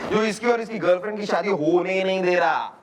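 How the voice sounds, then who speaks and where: A man's voice: high voice, fast, slight background noise, natural voice. A man doing a silly old grandpa. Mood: joking. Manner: broken English catchphrases, teasing. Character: old grandfather mangling English phrases.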